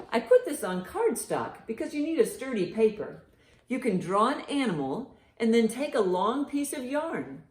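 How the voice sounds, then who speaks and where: A woman with a slightly low voice leads a children's storytime. Her delivery is expressive and very varied in pitch, speaking straight to small children. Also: reverberant. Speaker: children's library storytime presenter. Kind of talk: picture-book storytelling and instruction for young children.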